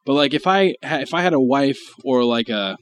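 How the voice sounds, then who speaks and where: A man's voice: mid-range voice, animated, brisk, slight background noise. A man hosting a comedy podcast, reading articles aloud and riffing with crude jokes while chuckling. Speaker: podcast host. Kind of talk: casual comedy podcast chat.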